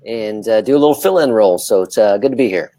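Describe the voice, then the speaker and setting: A man with a halting delivery, chatting casually as co-host of a live talk show. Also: on the low side, expressive, warm tone, no echo.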